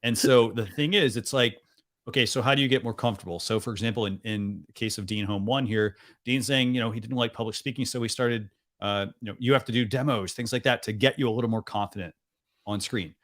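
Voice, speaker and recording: A man's voice: lowish voice, fast, fairly bright tone. A young adult man hosting a live stream over a video call, chatting loosely with lots of "like" and "you know". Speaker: host. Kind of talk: casual live stream chat.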